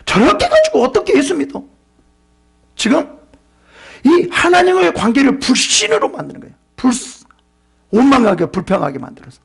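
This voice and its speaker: A male pastor preaching a sermon with a raspy voice, swinging from loud to whispered. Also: very high-pitched, wildly swooping pitch, normal speed, pauses often.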